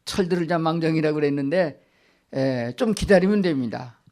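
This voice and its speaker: An older man preaching in a church sanctuary, his voice sitting a little higher than most men's. He keeps asking his listeners questions and then answers them himself. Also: expressive, normal speed, a little mellow. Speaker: pastor. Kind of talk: Sunday sermon.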